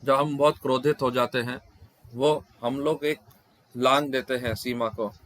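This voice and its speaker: A man's voice: medium pitch, steady tone, unhurried, fairly bright tone. A man interpreting questions and answers at a devotional scripture class over an online video call, often breaking off and restarting words mid-phrase.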